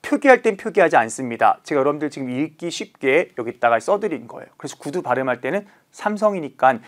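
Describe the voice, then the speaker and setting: A male Chinese language teacher giving a recorded online lecture, often checking in with students through quick rhetorical questions and slowing down to spell out pronunciation. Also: fairly high pitch, big pitch swings. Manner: slows down to spell out pronunciation and numbers.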